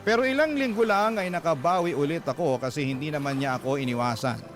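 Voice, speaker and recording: A man's voice: on the high side, fast talker, faint music behind, natural voice. A man voicing a vain, witty older gay man telling his life story in campy slang as a radio letter drama. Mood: wistful, dramatic.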